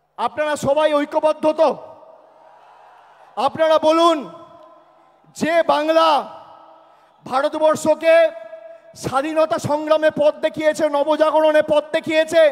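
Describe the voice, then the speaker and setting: Extremely high-pitched male speech in a monotone, flat intonation, dry and close with no echo, over noticeable background noise. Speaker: politician. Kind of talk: political rally speech. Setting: outdoors.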